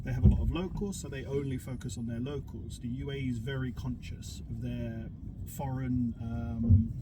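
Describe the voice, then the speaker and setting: Man, opinionated, chatty, taxi ride, engine rumble. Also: fairly even intonation, normal speed. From Ireland, raised in London. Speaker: free zone business consultant. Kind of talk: casual conversation in a taxi. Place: inside a moving car. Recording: loud road and engine noise. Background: car engine and road noise.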